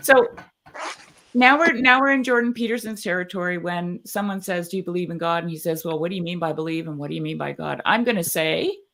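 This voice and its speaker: Fairly low in pitch, a woman talks at a very fast pace with lively intonation and an animated tone. Her loudness swings widely. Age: 60s. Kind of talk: heated debate.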